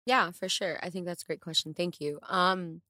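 Speaking at a moderate pace, this low-voiced Bronx woman chats casually as a podcast co-host. Her candid, animated delivery jumps up and down in bursts. The studio podcast mic gives a dry, clean studio sound.

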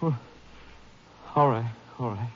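An actor playing a nervous, evasive cattle rustler in a 1950s radio western, stammering and protesting, on a muffled old recording. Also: male voice, medium pitch, slow pace, slight background noise, lightly acted. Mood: panicky, pleading.

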